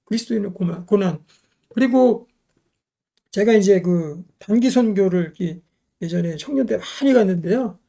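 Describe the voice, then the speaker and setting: A woman's voice: medium pitch, animated, moderate pace, creaky, dark tone. A middle-aged woman preaching a sermon, emphatic, repeating key phrases and putting rhetorical questions to the congregation.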